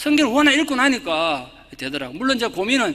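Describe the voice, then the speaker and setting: Over noticeable background noise, a man raises and projects his high-pitched voice. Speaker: pastor. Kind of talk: sermon. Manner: fast.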